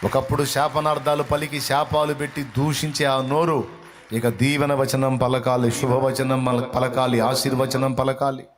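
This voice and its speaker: A man's voice: medium pitch, flat delivery, measured pace, a little hiss or hum. A man preaching a sermon, using colloquial storytelling, repeated phrases and rhetorical questions. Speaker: pastor.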